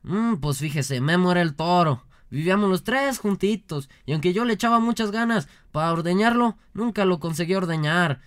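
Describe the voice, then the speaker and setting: A man plays a cocky, clueless job seeker who brags in slangy Mexican street talk and rambles from one boast to the next. His voice is smooth and full, recorded close and dry with no room sound, like a radio comedy sketch. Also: high voice, normal speed, hardly any pauses, a bit bright, dry recording. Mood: boastful.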